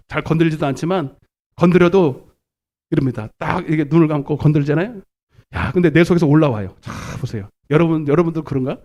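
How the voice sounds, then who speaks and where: Animated male pastor preaching live. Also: on the high side. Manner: animated preaching, calls congregation to repeat, swings from shouts to murmurs. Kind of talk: live sermon. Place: church sanctuary.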